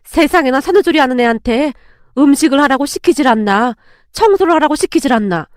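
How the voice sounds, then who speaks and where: A woman's voice: expressive, fairly quick, no echo, clean studio sound. A woman voicing a scolding older mother-in-law. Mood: scheming. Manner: shrill, scolding.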